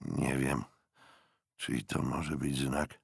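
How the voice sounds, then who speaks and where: A man voicing an excitable young naval officer who talks in giddy, laughing bursts, in an audiobook. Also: rumbling low, takes it slowly, vocal fry, breathy edge, no room sound, studio quality, pitched below the performer's own voice, heavily acted. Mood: muttering.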